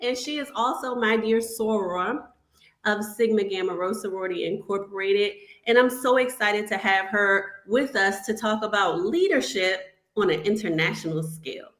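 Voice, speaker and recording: A woman's voice: medium pitch, normal speed, fairly bright tone, roomy sound. A woman hosting an interview show, chatty and enthusiastic as she welcomes and questions her guest. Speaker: podcast host.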